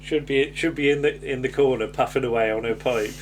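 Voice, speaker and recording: A man's voice: medium pitch, fairly even intonation, a little fast, a little hiss or hum. A man chatting casually as a co-host recapping a comedy, hesitant and meandering, often repeating words and tailing off. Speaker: podcast co-host.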